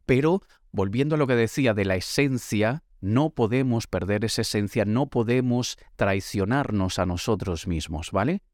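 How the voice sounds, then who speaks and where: A man's voice: on the low side, normal speed, darkish tone, no room sound, studio quality. A man, giving a motivational podcast monologue in a projected, emphatic voice into a microphone. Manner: projected, emphatic announcer-style delivery. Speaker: podcast host and author. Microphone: studio microphone.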